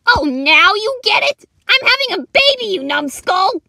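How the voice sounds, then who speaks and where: A woman acts out an aggressive animal mother in labour, short-tempered and snappy. The voice is high and piercingly bright, in an acted animal story. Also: very animated, a little slow, gravelly, no room sound, heavily acted. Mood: angry, pained.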